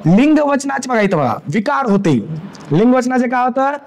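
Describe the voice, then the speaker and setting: Man, very high pitch, grammar teacher, questions the class, repeats terms. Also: sing-song, moderate pace, a little mellow. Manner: asks the class questions and answers them himself; repeats key terms and example sentences.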